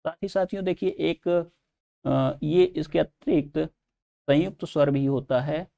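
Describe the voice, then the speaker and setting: A man's voice: a little high, unhurried, creaky, dark tone. A man teaching an online exam-prep lesson, explaining step by step and answering his own questions.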